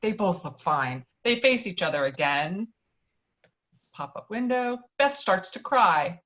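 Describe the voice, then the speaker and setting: A woman's voice: mid-range voice, lively intonation, a little slow, fairly bright tone. A woman reading out screenplay stage directions as the narrator of an online table read. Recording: dull, lo-fi online call audio.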